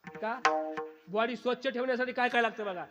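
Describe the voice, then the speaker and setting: A man's voice: very high-pitched, brisk, music in the background. A male kirtan preacher giving a humorous sermon to a live audience, teasing them and quizzing the crowd with questions. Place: kirtan gathering before an audience. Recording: long hall reverb.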